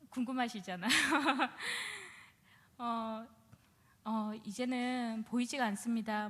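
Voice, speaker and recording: A woman giving a personal testimony as a former shaman, telling her story in an animated way and acting out her own past words. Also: a little high. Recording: long hall reverb.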